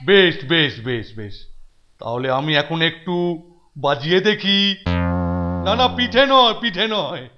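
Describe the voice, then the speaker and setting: An actor voicing a fussy, excitable male schoolteacher in a children's cartoon, scolding, repeating words and stammering. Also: medium pitch, measured pace, pauses often, muffled recording, lightly acted. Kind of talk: exaggerated children's cartoon acting. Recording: music behind the voice.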